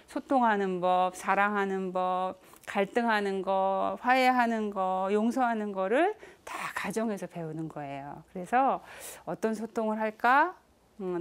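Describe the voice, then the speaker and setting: A middle-aged woman lectures an audience on nonviolent communication. She asks the listeners questions as she goes. When she quotes family members, she acts them out with sudden jumps up in pitch.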